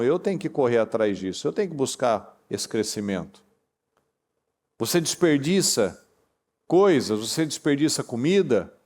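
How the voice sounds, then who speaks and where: A man preaching a sermon in a Brazilian Portuguese accent, emphatic and repetitive, with lively jumps in pitch. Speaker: pastor. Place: church meeting hall.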